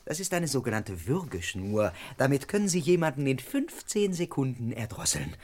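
An actor playing a brisk, self-assured male police constable who questions people officiously and also narrates, in a radio play. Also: medium pitch, big pitch swings, a little mellow. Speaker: narrator and investigator.

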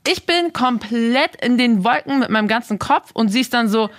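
A young woman co-hosting a podcast in casual chat, reflective and musing, stretching some phrases slowly as she thinks aloud. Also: a little high, lively intonation, no room sound, studio quality. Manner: reflective, drawn-out, self-described overthinker. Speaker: podcast co-host.

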